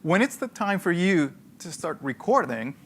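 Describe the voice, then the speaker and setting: With slight background noise, a high-pitched man whose voice swings widely teaches a hands-on workshop at normal speed, his tone a bit bright. He's emphatic, repeats what matters and keeps confirming the audience is with him.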